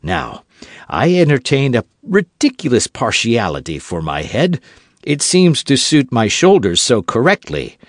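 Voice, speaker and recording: A man's voice: wildly swooping pitch, no echo, clean studio sound. A man doing Aramis, a cool ironic musketeer. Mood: wry, composed. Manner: measured, dryly mocking, low and controlled. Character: suave young musketeer-churchman, cool and ironic. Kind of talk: audiobook character voice.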